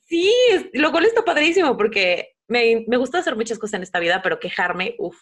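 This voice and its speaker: Animated Mexican woman ranting, laughing. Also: fairly high pitch, brisk. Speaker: podcast co-host. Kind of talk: casual chat.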